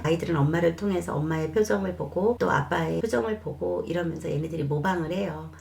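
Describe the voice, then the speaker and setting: A woman who is a child development expert, calmly explaining parenting advice in a lesson and sometimes acting out what a mother might say. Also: on the low side, vocal fry. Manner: calm, reassuring explanation with acted quotes of mothers.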